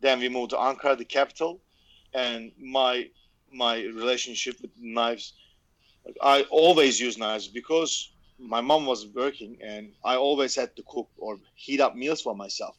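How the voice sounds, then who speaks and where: A man's voice: mid-range voice, measured pace, fairly bright tone, dry recording. Man in dry podcast audio. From Turkey. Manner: candid and swearing, laughs easily. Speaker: knife maker, podcast co-host. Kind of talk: casual podcast chat.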